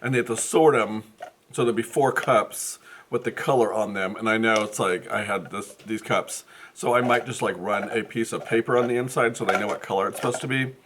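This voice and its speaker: A man's voice: fairly low pitch, brisk, a bit bright, a little hiss or hum. A man who teaches first grade, chatting casually to his vlog camera, rambling and correcting himself as he thinks aloud. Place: school classroom.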